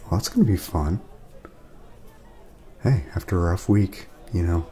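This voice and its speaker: A man speaking softly in a casual ASMR roleplay, laid-back and friendly, chatting as if to a friend. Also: low voice, a little slow. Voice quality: soft, breathy at times, creaky.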